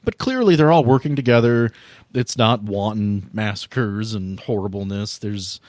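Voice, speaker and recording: A man's voice: lowish voice, a little slow, darkish tone, dry recording, clean studio sound. A man narrating an improvised tabletop game as game master in a conversational, informal way.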